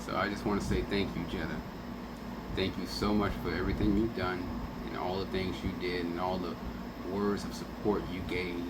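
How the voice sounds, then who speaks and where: Heavy background noise sits behind a man's low voice, which stays fairly flat in pitch at a normal speed. He's a radio host paying warm, conversational tribute to a late friend, often acting out things the friend once said.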